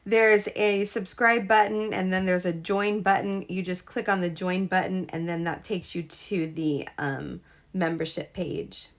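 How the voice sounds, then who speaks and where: A woman hosting a casual live crochet stream, chatting with viewers, her voice a little hoarse from a cold. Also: on the low side, fairly even intonation, a little slow. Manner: chatty, greets viewers, trails off and restarts. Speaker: crochet livestream host.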